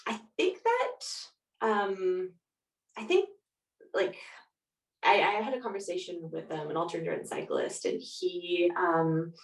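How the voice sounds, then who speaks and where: A woman giving a thoughtful, halting interview as a guest, reflecting in a conversational way. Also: fairly low pitch, sing-song. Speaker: podcast guest, author. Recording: roomy echo, distant from mic.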